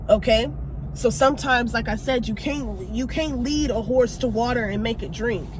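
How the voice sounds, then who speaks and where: Noticeable background noise and audible room echo surround this recording. A woman speaks at a fairly high pitch with fairly even intonation. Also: moderate pace. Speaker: tarot reader. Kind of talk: spiritual guidance monologue. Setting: in a car in a garage. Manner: loud; casual.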